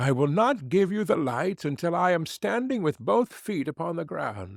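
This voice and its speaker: A man puts on a character voice, high-pitched with very wide pitch swings, at a moderate pace. The recording is very clean with a silent background, the sound dry and close with no echo. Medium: read story.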